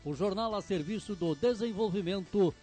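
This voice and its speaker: A man's voice: sits high, moderate pace, dark tone. A man announcing radio commercials in a polished, upbeat ad read. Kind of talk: commercial voice-over. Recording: music bed behind voice.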